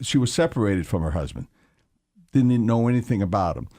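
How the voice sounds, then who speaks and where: A man with a North Jersey accent, dark, mellow tone and very wide pitch swings, on a very clean recording with a silent background. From North Jersey (Elizabeth, New Jersey). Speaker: state senator and lawyer. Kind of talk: radio interview. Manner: halting, with many fillers and restarts.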